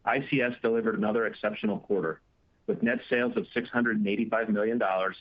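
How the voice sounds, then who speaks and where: Lower-voiced man reading financial results, dull audio. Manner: formal, steady reading of figures. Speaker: company finance chief. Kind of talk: prepared financial results report. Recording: dull, band-limited conference call audio.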